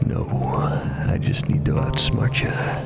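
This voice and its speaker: An actor playing a tough, cunning frontier sheriff with a terse, hard-boiled drawl in an old-time radio western. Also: male voice, slow, natural voice. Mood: cool defiance. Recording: loud music under the voice. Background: loud dramatic music.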